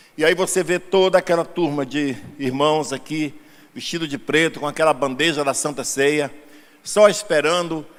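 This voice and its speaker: A normal speaking voice, its pitch varying in an ordinary way. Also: man. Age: 60s. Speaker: pastor. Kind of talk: sermon. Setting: church.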